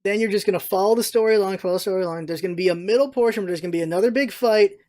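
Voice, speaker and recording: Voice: mid-range voice, rapid-fire, a little mellow. A vlog host giving casual, opinionated movie commentary in an emphatic, exasperated, ranting manner.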